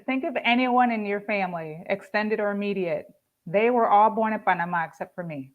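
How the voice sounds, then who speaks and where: A chatty American woman talks casually as a guest conductor, at a middle pitch. She laughs easily and drops in lots of fillers. Her voice comes through a slightly muffled video call. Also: brisk. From United States. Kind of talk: casual conversation.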